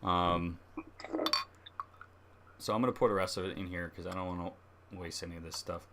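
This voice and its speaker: A man hosting a casual livestream tasting review, speaking haltingly as he thinks aloud. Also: low voice, steady tone, very noisy. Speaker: host of a beer review livestream. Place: livestream, speaking beside a laptop.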